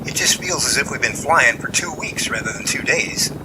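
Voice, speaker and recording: A man's voice: mid-range voice, animated, normal speed, noisy background, close to an everyday voice. A man playing an impatient, wisecracking, folksy passenger in an amateur radio drama, complaining with sarcasm.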